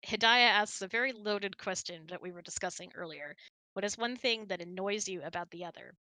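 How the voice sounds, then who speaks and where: A woman's voice: mid-range voice, fairly quick, sharp tone, dry recording, poor audio. A woman hosting a casual hangout, telling stories and answering questions in a chatty, rambling, giggly way. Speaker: host of an online hangout.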